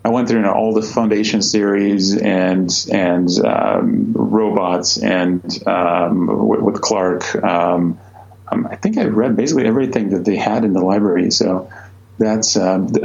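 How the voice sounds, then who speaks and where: A man in his forties from Croatia speaks with a low, gravelly voice and keeps pausing on fillers and restarting his sentences. The recording sounds a little dull and muffled. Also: fairly even intonation, darkish tone. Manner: hesitant, many fillers and restarts. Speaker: astronomer guest. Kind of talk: conversational interview answers.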